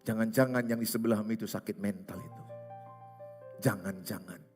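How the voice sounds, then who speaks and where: A pastor preaching a sermon, hammering points home with repetition and rhetorical questions. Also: male voice, lowish voice, a little fast, a little mellow. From Indonesia. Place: large church hall. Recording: reverberant church hall with music.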